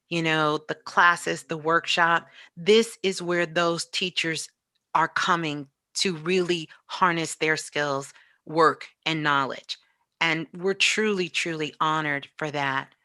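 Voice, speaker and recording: A woman's voice: low-pitched, bright, forceful tone, no echo. A woman speaking reflectively and conversationally as an interview guest and spiritual teacher, often checking in with the listener. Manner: frequently checks in with "you know".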